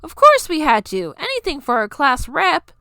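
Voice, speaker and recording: A woman voicing excitable teenage friends in a story reading, exclaiming with loud energy. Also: sits high, moderate pace, no room sound, clean studio sound, voice pushed up, full character voice. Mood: excited.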